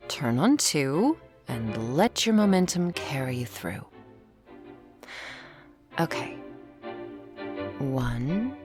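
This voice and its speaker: A woman in an ASMR roleplay plays a commanding, teasing werewolf hunter who talks slowly and deliberately. Her voice is deep and gravelly, with a dominant, playful authority. Faint string music runs quietly beneath her.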